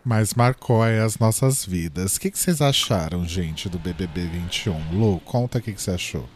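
A man co-hosting a casual podcast, bantering playfully in a camp, quick way. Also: sits low, slight background noise. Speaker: podcast co-host.

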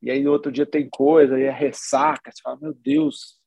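A man's voice: mid-range voice, moderate pace, vocal fry, dry recording. A man, a musician guest, talking casually in an interview, loose and rambling with lots of slang. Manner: relaxed, rambling, full of slang and restarts.

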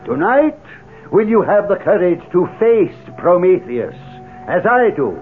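An actor playing a proud, theatrical leader of a fire cult in a radio drama, haughty, formal and declamatory. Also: male voice, sits high, very animated, a little slow, soft background music. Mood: grandiose. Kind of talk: 1970s radio drama acting. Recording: tinny, narrow-band old radio recording, faint hiss.

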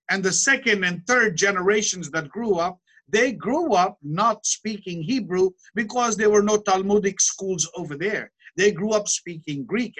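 A man giving a measured Bible teaching lecture. He explains step by step, pausing often and asking rhetorical questions. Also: sits high, pushed and bright.

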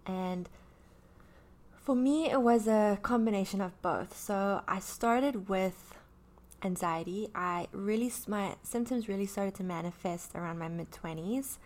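A woman's voice: mid-range voice, a little slow, darkish tone. A woman in her early thirties talking candidly about her own anxiety, rambling with many fillers and restarts. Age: 30s. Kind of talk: personal talk about anxiety.

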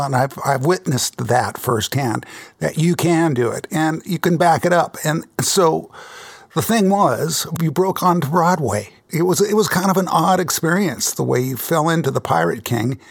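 A man's voice: fairly high pitch, measured pace, vocal fry, husky, dry recording, clean studio sound. A man hosting a casual interview podcast, talking with enthusiasm and admiration for his guest. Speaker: podcast host and musician.

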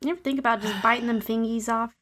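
A woman with a notably high voice co-hosts a casual podcast chat. She tells stories with playful, over-the-top drama. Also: fairly even intonation, fast, fairly bright tone. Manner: playful, dramatic comic storytelling. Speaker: podcast co-host.

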